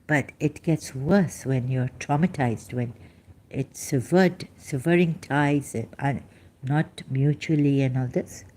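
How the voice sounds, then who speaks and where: A woman speaks straight to the camera in an unscripted personal vlog, stopping often and hunting aloud for her words. Her voice is low, rumbling and mellow.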